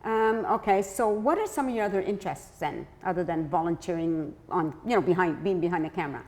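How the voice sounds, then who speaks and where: A woman's voice: lowish voice, fairly quick, a little mellow. A woman hosting a casual community TV talk show, chatty and teasing, laughing often as she questions her guests in the studio.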